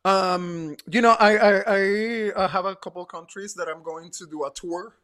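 A man with a somewhat high voice co-hosts a casual podcast chat. He speaks haltingly and teases in a dry way. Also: fairly bright tone. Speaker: podcast co-host.

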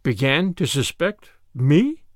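A man's voice: high voice, big pitch swings, normal speed, dry recording, clean studio sound. A man voicing a big, flamboyant master thief in an audiobook, boastful, mocking and explosive. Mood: incredulous. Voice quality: loud, exclamatory. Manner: mocking, theatrical, taunting.

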